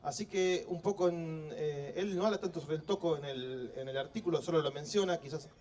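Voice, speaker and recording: A man's voice: on the high side, fairly quick, a little mellow. An Argentine man moderating a book fair, introducing the next speaker in a friendly, explanatory way with frequent fillers. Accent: Argentine Spanish. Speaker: event host and moderator. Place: outdoor plaza at a book fair. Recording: distant outdoor recording with faint background noise.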